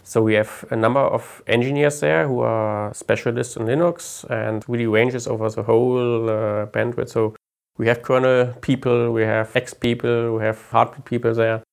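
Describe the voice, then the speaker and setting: A man's voice: medium pitch, fairly even intonation, moderate pace, creaky. A man with a German accent explaining his team's work as an interview guest. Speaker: engineering team lead, interview guest.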